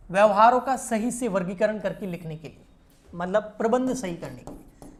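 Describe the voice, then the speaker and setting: A woman teaching an exam-prep accountancy lecture. She explains patiently, keeps checking that students follow, and addresses them in a familiar way. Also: a little high.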